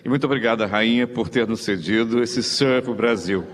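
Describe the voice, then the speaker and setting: A man's voice: mid-range voice, normal speed, big-room sound, slight background noise. A man hosting an interview, asking questions and offering effusive, formal praise to his guests. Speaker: host.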